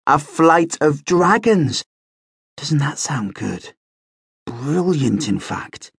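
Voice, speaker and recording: A man doing an excitable teenage prince. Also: fairly high pitch, slow, gravelly, husky, no room sound, studio quality, voice pushed up, exaggerated voice. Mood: delighted. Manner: eager, breathless chatter.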